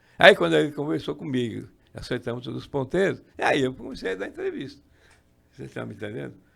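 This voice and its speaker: Loudness swings widely throughout. The man delivers his words very fast. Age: 70s. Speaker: local politician, vice-mayor candidate, teacher. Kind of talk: radio interview. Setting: radio studio. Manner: halting, many false starts.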